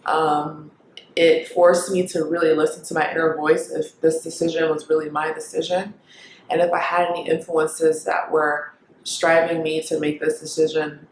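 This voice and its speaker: A young woman from Kenya who grew up in the United States, talking casually to camera, thinking aloud with pauses and fillers. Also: lowish voice, roomy sound, slight background noise, low-quality recording. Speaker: vlogger.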